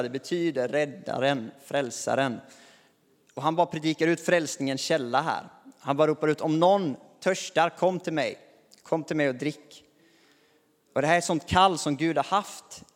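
A man with a fairly high voice delivers a sermon in an easy, conversational manner, chuckling lightly now and then. His voice rings out with a long reverb tail from the church hall around him. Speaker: preacher.

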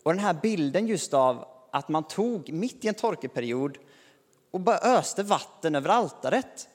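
Swedish-speaking preacher man in a reverberant hall. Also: on the high side. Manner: earnest, lively, rising to call out scripture. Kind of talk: sermon.

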